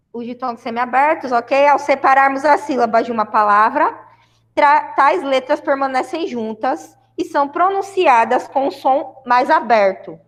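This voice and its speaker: High-voiced Brazilian teacher in a reverberant classroom. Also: female voice. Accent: Brazilian Portuguese. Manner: explains step by step, checks in with "tá?" often. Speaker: school Portuguese teacher. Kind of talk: classroom grammar lesson.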